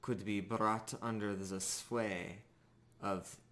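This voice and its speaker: Casting: man as grave undead woman knight in a tabletop fantasy game, earnest and pleading, formal, slow halting delivery, low pitch. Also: little pitch movement, fairly bright tone.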